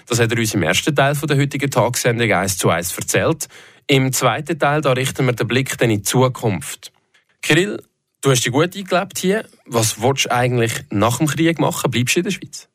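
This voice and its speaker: Male radio host, relaxed moderation, dry close sound. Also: mid-range voice, normal speed, no room sound.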